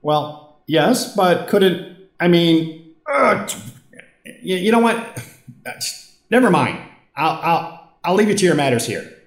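An actor playing a measured, suspicious and hesitant corporate boss in an audio drama. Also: male voice, a little high, lively intonation. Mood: flustered. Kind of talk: first-person narration and dramatic dialogue. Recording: roomy echo with music behind.

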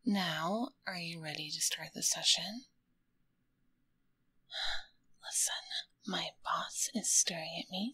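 A woman's voice: fairly low pitch, slightly rough, exaggerated voice, rough recording. A woman playing a grumpy young tomboy who works as a secret ASMR artist, whispering breathily into a close binaural microphone in a roleplay. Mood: annoyed, curt. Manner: slow, hushed, soothing service talk with curt asides.

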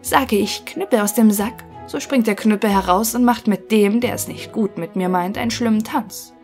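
A woman's voice: medium pitch, normal speed, a little mellow, soft background music, lightly acted. A woman voicing a proud young craftsman. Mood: eager.

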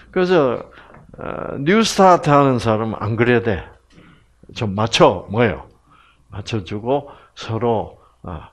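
A man with a Gyeongsang Korean accent lectures at an unhurried pace and tells his stories in a joking way. His pitch rises and falls a great deal as he turns to the audience with questions. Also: a bit bright. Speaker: health program lecturer.

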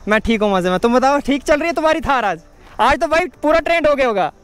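High-voiced teasing motovlogger man. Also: expressive, quick pace, a bit bright, clean tone. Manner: teasing, chatty, laughs often. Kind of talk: casual motovlog chat. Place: outdoors on the road.

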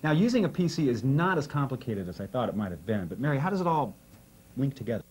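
American man, 30s, training video co-host, medium pitch, scripted dialogue with a playful layman touch. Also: sing-song, fast, a little hiss or hum, rough recording. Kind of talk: scripted question-and-answer dialogue. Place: indoor studio set.

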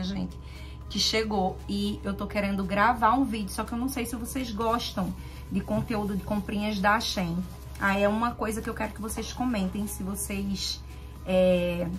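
A woman in her thirties with a Brazilian Portuguese accent, chatting informally to camera as a beauty vlogger, often checking in with viewers. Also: medium pitch. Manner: chatty, informal, frequent tag questions to viewers. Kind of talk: casual chat to camera, product haul. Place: walk-in closet at home, indoors.

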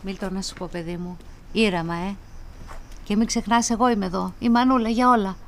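A woman's voice: medium pitch, fairly even intonation, slight background noise, lightly acted. An actress playing a sweet, doting older mother-in-law in a TV comedy, fussing and soothing. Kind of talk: TV comedy acting.

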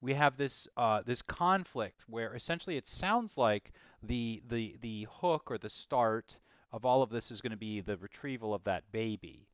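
A man's voice: medium pitch, moderate pace, clear, resonant tone, no room sound, lo-fi sound. A man hosting a casual brainstorming chat, asking lots of questions enthusiastically and correcting himself as he goes. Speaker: host.

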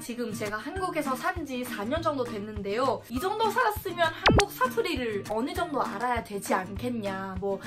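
Lively young woman with a Thai accent. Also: on the high side, normal speed, few pauses, over loud music. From Thailand. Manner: animated, exclaims loudly at answers. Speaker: vlogger. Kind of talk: casual quiz vlog. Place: indoors in a small room.

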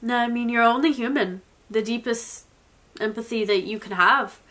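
A young woman in her twenties gives a slow, reflective tarot reading, sounding sniffly from a cold. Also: a little high. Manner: soft, slow and reflective, with occasional small laughs. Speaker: tarot reader. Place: indoors, in front of a floral blanket.

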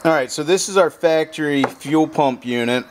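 Working with his hands at a pickup truck bed used as an outdoor workbench, a motorcycle repair how-to host explains a fix step by step in a plain, practical way. His voice is fairly high-pitched at a moderate pace, with slight background noise.

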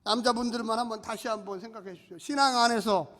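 High-voiced pastor preaching in an echoing hall. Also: male voice, quick pace, a bit bright. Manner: exhorting, calls on the congregation to repeat and respond. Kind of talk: sermon. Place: church sanctuary. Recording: long church-hall reverb.

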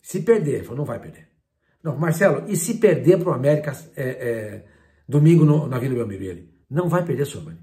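An older man, commenting on football in a casual, animated way and retelling his conversations. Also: medium pitch, fast. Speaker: sports journalist and commentator. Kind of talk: casual talk-to-camera commentary.

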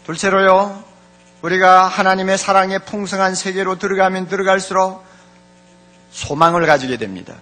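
High, forceful male preacher. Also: normal speed. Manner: fervent, repeats key words, addresses the congregation directly. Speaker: pastor. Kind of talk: sermon.

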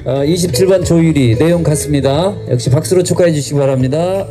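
A man's voice: on the high side, brisk. A man hosting an awards ceremony on an outdoor stage, formally proclaiming names and prizes over the PA. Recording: PA at outdoor event, music behind. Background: guitar and instrumental music.

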